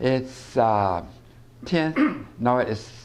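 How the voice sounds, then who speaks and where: This man speaks in a rural Central Texas accent. His pitch is medium, with ordinary pitch variation. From Texas Hill Country. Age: 80s+. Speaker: oral history interviewee. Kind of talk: oral history interview. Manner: halting.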